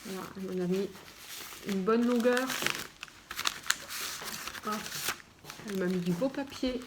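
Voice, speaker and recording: A middle-aged woman chatting casually as she unboxes and admires craft gifts, talking softly and often dropping to a hush. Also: mid-range voice, unhurried, noisy background. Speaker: scrapbooking vlogger.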